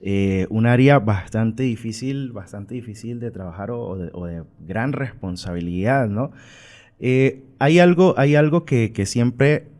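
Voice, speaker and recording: A man's voice: medium pitch, measured pace. Venezuelan man hosting a church podcast. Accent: Venezuelan Spanish. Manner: warm welcoming host, asks long winding questions. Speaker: podcast host.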